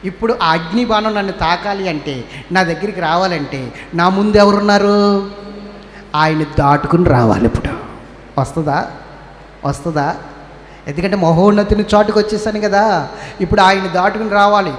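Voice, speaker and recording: This high-voiced male pastor, whose accent is Telugu from Andhra Pradesh, moves at a moderate pace with long pauses. Preaching in a church hall that echoes with faint ambience and slight background noise, he urges the congregation to answer him, both rebuking and encouraging them.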